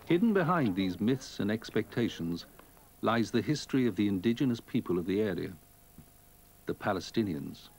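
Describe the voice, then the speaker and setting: A man giving a measured, formal scripted narration for a documentary. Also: lowish voice, big pitch swings, darkish tone, low-quality recording.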